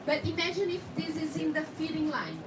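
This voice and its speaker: A woman's voice: high-pitched, brisk. A woman from Brazil with a Brazilian accent and Portuguese as her first language, giving a hands-on technical demonstration and often checking that trainees follow. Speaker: instructor in dental scanning. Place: indoor training room with background noise. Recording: echoey room, distant mic, heavy noise.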